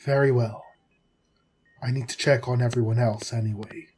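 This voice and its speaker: A man acting as a caring, exasperated centuries-old doctor in an audio roleplay, with a husky voice and measured bedside manner. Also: medium pitch, steady tone, darkish tone, natural voice. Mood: concerned. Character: long-lived vampire doctor, male, caring yet exasperated. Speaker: voice actor. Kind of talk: audio roleplay drama, spoken to the listener.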